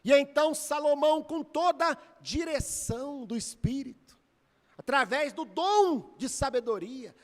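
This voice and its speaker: A Brazilian man preaching in a church, retelling a story with dramatic, emotional intensity. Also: extremely high pitch. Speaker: pastor. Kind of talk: storytelling sermon. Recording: echoey church hall.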